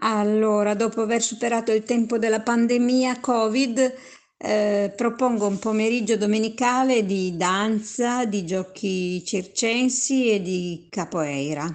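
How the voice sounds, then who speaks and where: A woman's very slow delivery at a very even loudness. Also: fairly high pitch for a woman, ordinary pitch variation, quiet background. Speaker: retired primary school teacher. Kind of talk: recorded personal account.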